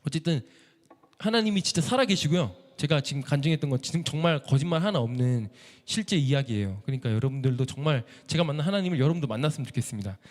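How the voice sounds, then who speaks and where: A man giving an emotional church testimony as a missionary violinist, telling his story with animated feeling. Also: on the high side, quick pace. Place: church sanctuary. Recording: echoey church hall.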